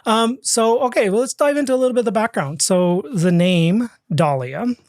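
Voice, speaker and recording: A man hosting an interview, chatty and halting, often restarting his sentences. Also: high voice, a little mellow, no room sound, clean studio sound. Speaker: podcast host. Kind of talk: interview conversation.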